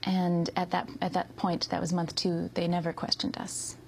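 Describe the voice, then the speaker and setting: Soft-spoken gravelly woman. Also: lowish voice, monotone, moderate pace, a little hiss or hum. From United States. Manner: hesitant, with many ums and soft laughs. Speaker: interview guest. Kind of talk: soft-spoken interview answers.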